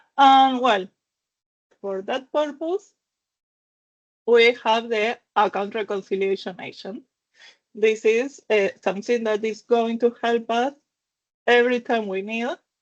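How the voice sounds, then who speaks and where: In a strong Argentine accent, a woman speaks at a fairly slow pace with long, frequent pauses, a fairly high pitch and ordinary pitch variation. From Argentina. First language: Spanish. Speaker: finance consultant. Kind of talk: technical presentation. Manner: hesitant, many fillers.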